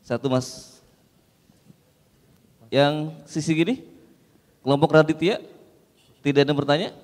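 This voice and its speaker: A man's voice: on the high side, darkish tone. Polite moderator man in a hall. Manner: polite, directs turns briskly.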